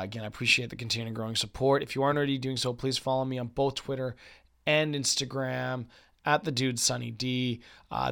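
Male podcast host, medium-pitched, husky and fry-laden, voice dry and weak from a cold, emphatic off-the-cuff commentary. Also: a bit bright. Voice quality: husky, gravelly. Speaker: podcast host and poker player. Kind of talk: casual solo podcast commentary.

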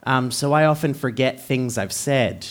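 A man, co-hosting a comedy podcast on stage, animated and laughing often. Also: unhurried. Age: 30s. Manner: animated, laughs often, bursts of higher pitch. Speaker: podcast co-host. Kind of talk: casual comedic chat. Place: live stage with audience. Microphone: stage microphone.

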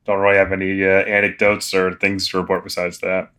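Young guy podcast cohost, kinda low voice, deadpan, nitpicky about titles and facts. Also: fairly quick. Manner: dry, deadpan, pedantic about details. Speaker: podcast co-host. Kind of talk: casual chat.

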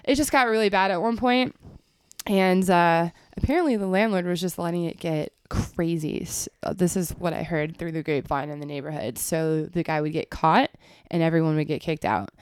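Chatty New woman with a smooth voice. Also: on the low side, moderate pace, no room sound. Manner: chatty storyteller, heavy use of "like", swears casually. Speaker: podcast co-host. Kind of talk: casual chat. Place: apartment in Brooklyn.

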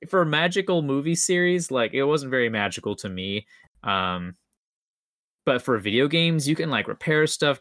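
Young man chatting, bright forceful voice. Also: mid-range voice, no echo, clean studio sound. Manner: enthusiastic, rambling, slangy. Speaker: podcast co-host. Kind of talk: casual chat.

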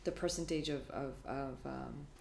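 A woman interviewer with a very low voice asks thoughtful, hesitant questions, laughing lightly now and then. She sounds roomy and echoey, with faint noise in the background. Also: moderate pace, gravelly, a little mellow. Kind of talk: conversational interview.

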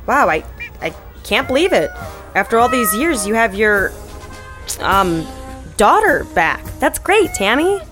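A woman's voice: fairly high pitch, sing-song, a little slow, over music. A woman voicing a puzzled, politely curious young coworker in a comic audio drama. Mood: bewildered. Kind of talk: comedic audio drama acting.

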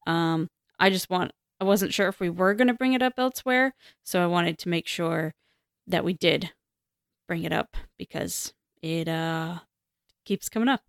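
A woman's voice: fairly low pitch, normal speed, clear, resonant tone, no echo, clean studio sound. A woman hosting a podcast, steering an informal conversation. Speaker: podcast host. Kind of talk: casual hosting chat.

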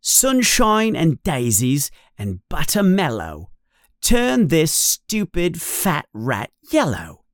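A friendly young schoolboy wizard from a storybook, acted out by a narrator. He sounds casual and a little unsure of himself. His pitch leaps around freely, and the sound is dry and close. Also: wildly swooping pitch, slow pace, no room sound, full character voice. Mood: hesitant, declaiming.

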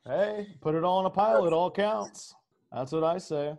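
A man's voice: high voice, normal speed, creaky, a little mellow. A man chatting casually and comically as a podcast guest, rambling loosely and swearing now and then. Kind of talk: casual comedic chat.

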